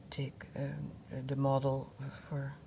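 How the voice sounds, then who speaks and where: A woman's voice with audible room echo. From Netherlands, The Hague. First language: Swiss German. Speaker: family member recounting life story. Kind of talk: reminiscing interview. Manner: halting, with fillers and repetitions.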